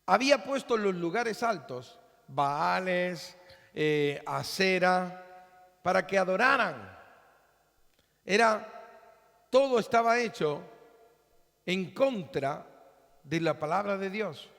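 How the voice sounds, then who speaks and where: High gravelly man preaching. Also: takes it slowly, long pauses. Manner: animated storytelling, acting out characters. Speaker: pastor. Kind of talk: sermon. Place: church. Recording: echoey church hall.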